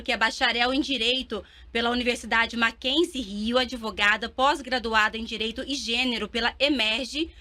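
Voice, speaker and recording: Female talk show host, Brazilian accent, slightly high and bright delivery. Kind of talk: interview, introducing guests.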